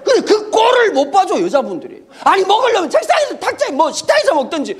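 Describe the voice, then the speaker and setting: A man pastor giving a humorous sermon lecture in a church, talking in an animated, comic way and acting out the voices he quotes. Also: very high-pitched, fast talker. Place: church sanctuary.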